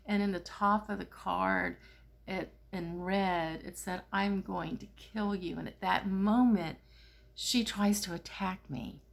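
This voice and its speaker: A woman's voice: medium pitch, fairly even intonation, takes it slowly, vocal fry. A middle-aged woman, a spiritual therapist, telling a personal story in a casual, rambling way with many fillers and restarts.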